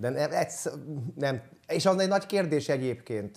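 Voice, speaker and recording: A man's voice with very wide pitch swings. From Hungary. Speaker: sports journalist. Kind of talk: casual chat. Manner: halting. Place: studio.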